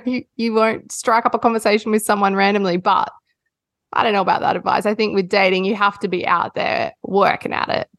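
A woman's voice: a little high, dry recording, studio quality. A woman co-hosting a casual chat podcast, frank and wry with strong opinions. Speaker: podcast co-host.

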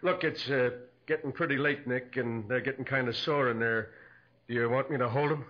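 An actor playing a blunt, streetwise, slangy police sidekick in a 1940s radio crime drama. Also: male voice, mid-range voice, steady tone, normal speed, close to an everyday voice. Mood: exasperated. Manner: slangy, blunt, folksy tough-guy talk. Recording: dull lo-fi 1940s radio recording.

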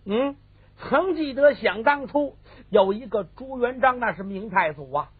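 A man's voice: very high voice, lively intonation, a little slow, slightly rough, no echo, voice pushed up, heavily acted. A male storyteller voicing an elderly imperial dowager who scolds in a commanding way. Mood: scolding. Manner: scolding, urgent. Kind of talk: traditional storytelling. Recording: tinny phone-band recording.

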